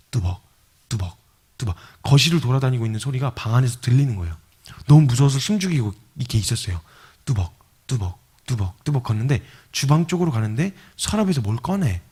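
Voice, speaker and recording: A man's voice: mid-range voice, breathy edge. A male missionary preaching to young adults, telling stories vividly and acting out scenes with sound effects. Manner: animated storytelling, acts out scenes with sound effects.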